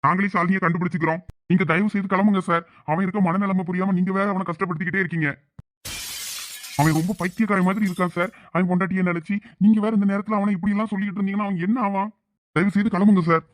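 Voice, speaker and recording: A loyal friend pleads urgently and worries about his troubled companion, as a man acts him out. He talks fast in a slightly high voice. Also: steady tone, no echo, natural voice. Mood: worried.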